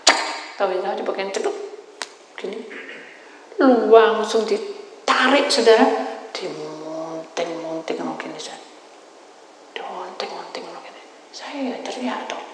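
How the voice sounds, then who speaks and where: A woman pastor preaching a sermon, telling her testimony dramatically, swinging between loud cries and whispers. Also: medium pitch, a little slow, long pauses. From Indonesia. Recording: echoey hall with long reverb, faint noise.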